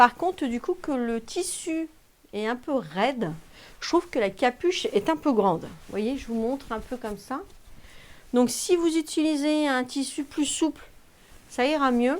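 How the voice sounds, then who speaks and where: Very wide pitch swings run through a very clean recording with a silent background. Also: woman, high pitch for a woman. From northern France, near Belgian border. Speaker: sewing youtuber. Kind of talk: casual sewing review vlog. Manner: hesitant, many fillers.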